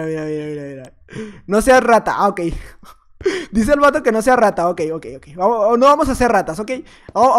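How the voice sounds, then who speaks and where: A man with a Mexican accent giving live gameplay commentary as a gaming YouTuber, joking and rambling as he chats playfully with the other players. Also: sits high.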